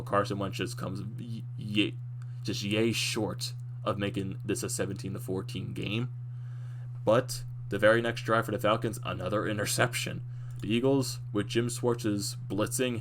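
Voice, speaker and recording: A young man giving a casual, animated recap of a football game as a fan, his voice slightly worn and going at times. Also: fairly low pitch, background noise. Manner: excited, animated fan recap with frequent restarts. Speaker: sports fan commentator.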